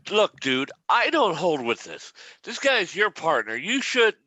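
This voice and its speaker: A woman's voice: fairly low pitch, very animated, unhurried, bright, forceful tone, full character voice. A woman acting an indignant, mild-mannered male bowler, protesting casually in a script read. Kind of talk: acted table read of a film script.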